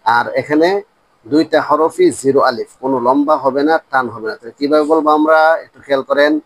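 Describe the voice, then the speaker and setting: A man teaching a Quran pronunciation class, slowly repeating letter sounds for his students. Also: mid-range voice, rough recording. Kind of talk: religious lesson on Arabic letter pronunciation.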